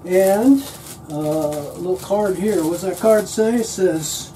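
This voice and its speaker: Older guy hosting a cooking vlog in an rv kitchen, dark mellow voice, jokey and chatty, picked up by the camera across the room with a little hiss. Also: high-pitched, slow, low-quality recording. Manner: joking, chatty, reads out a manual. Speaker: channel host. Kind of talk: casual cooking demo chat. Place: motor home kitchen. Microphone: camera mic from across the room.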